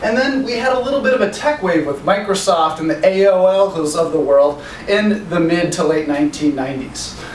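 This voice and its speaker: With audible room echo and light background noise, a man speaks at a high pitch and a moderate pace, his intonation lively and hardly any pauses in between. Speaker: financial advisor. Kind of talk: educational talk to camera. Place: office.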